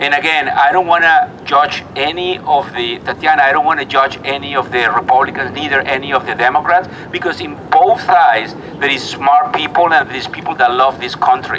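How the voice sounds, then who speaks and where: With a Venezuelan accent, a man talks at a fairly quick pace in a fairly high pitch, his intonation fairly even, over noticeable background noise. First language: Spanish. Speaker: rally speaker. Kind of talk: political rally speech. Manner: halting.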